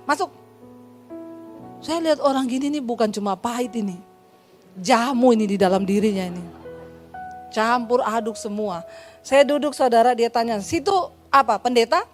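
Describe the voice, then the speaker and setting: A woman pastor with an Indonesian accent preaching a sermon, telling stories lively and acting out the voices of the people in them with humorous asides. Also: fairly high pitch. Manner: lively storytelling, acts out dialogue, humorous asides.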